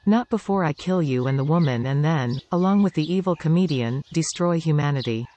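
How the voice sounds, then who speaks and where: A man's voice: fairly high pitch, lively intonation, brisk, mellow, close to an everyday voice. A man voicing a scheming AI ferret villain. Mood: menacing. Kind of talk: hobby audio play acting.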